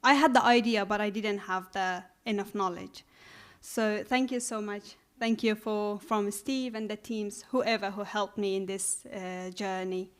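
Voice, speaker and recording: A woman's voice: medium pitch, steady tone, a little slow, clear, resonant tone. A young woman from Afghanistan giving a hesitant speech to an audience, with many fillers and restarts. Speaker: invited speaker.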